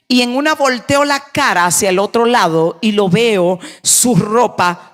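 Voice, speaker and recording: A woman pastor preaching a sermon, emphatic, moving between hushed passages and raised, urgent lines. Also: mid-range voice.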